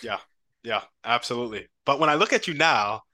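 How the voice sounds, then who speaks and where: A man's voice: mid-range voice, expressive, fairly quick, sharp tone, no room sound, studio quality. A man hosting an interview, affirming the guest and leading with questions. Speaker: interviewer, host. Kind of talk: conversational interview.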